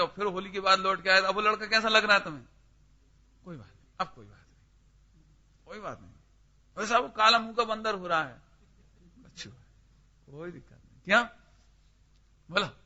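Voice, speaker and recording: Guy teaching a scripture class, really bright piercing voice, keeps quizzing people by name, muffled lo-fi audio. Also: sits high. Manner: questioning listeners by name, emphatic. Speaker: religious teacher. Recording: dull lo-fi recording.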